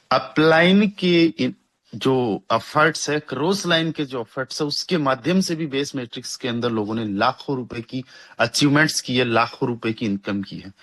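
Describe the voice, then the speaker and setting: A young man giving a persuasive sales pitch for a network marketing plan, hyping earnings and repeating figures to his listeners. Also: a bit bright.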